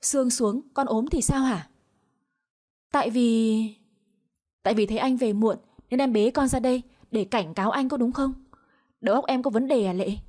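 A woman voicing a drunk, short-tempered young husband who shouts and reproaches. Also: fairly high pitch, moderate pace, pauses often, lightly acted. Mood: angry.

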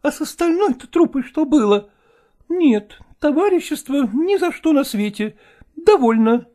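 Man playing a complaining stage actress, high falsetto-like lift, exclamatory, animated. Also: unhurried. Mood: dismayed. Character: excitable middle-aged actress, complaining and dramatic. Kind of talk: audiobook character voice.

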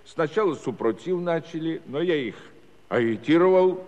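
Guy acting folksy old-school judge telling stories, lively ups and downs, muffled echoey hall recording. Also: fairly high pitch, lightly acted. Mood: proud storytelling. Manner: rustic dialect, unhurried yarn-spinning. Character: folksy male village judge, former Red Cossack chairman, proud storyteller. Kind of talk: theatrical audio drama storytelling. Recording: dull old recording, long hall reverb.

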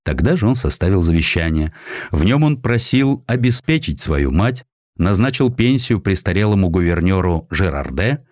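A man narrating a historical essay as an audiobook, with an expressive, theatrical storytelling manner. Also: low voice, normal speed, no room sound, studio quality.

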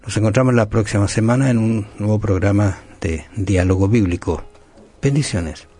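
A man co-hosting a Bible study program, explaining in a calm, steady way. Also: fairly low pitch, normal speed, slightly rough. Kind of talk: conversational Bible study dialogue.

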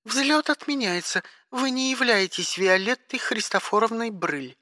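Guy putting on a high prim lady dispatcher, icy polite, dry close sound. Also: lively intonation, measured pace, sharp tone, no room sound, exaggerated voice. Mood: icily polite. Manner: formal, icily courteous.

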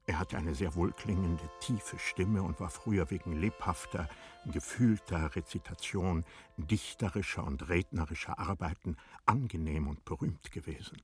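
A man narrating a literary radio drama in measured, formal storytelling style. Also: deep voice, soft background music.

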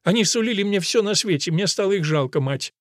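A man voicing a calm, stubborn young woman who pleads and soothes, in a dry audiobook recording. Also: high voice, fairly quick, no echo, pitched above the performer's own voice. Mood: sly.

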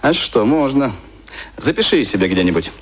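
A man's voice: mid-range voice, big pitch swings, normal speed, noisy background, natural voice. An actor playing a cynical, convivial adman in a radio play, talking like a sardonic mentor over drinks. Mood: tipsy, cynical. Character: cynical, convivial male adman, former propaganda official, drinking. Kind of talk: naturalistic radio play dialogue.

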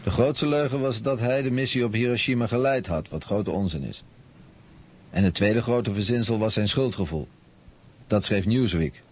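A man's voice: fairly low pitch, moderate pace, slightly rough. A man voicing a plain-spoken author in an interview voice-over translation. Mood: matter-of-fact. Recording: dull sound with faint noise.

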